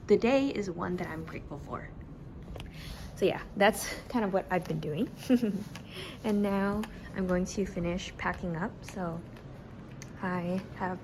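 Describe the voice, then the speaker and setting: A young woman teacher talking in a casual, emotional vlog, with a raspy voice and a soft, reflective way of talking full of fillers. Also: fairly low pitch, noisy background. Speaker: high school history teacher.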